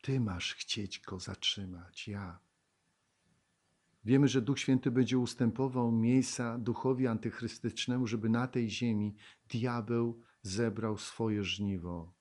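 Reading scripture and unpacking its meaning, this preacher questions his congregation, laughs frequently, and moves between loud exclamations and quiet, hushed moments. He has a mid-range voice with fairly even intonation and takes things slowly.

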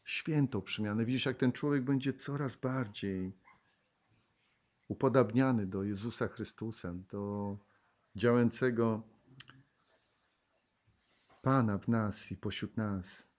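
A man preaching a sermon, reading Bible verses aloud and explaining them. He asks the congregation questions and often laughs, moving from loud exclamations to hushed tones. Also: fairly low pitch, slow, long pauses.

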